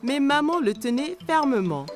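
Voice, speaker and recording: Animated woman narrating a children's story. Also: high voice, moderate pace. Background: background music.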